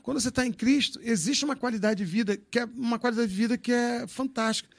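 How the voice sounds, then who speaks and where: A man's voice: extremely high pitch, quick pace, vocal fry. A man in his fifties from Brazil, talking loosely and frankly on a podcast, joking and swearing as he tells his story. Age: 50s. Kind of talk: casual podcast chat.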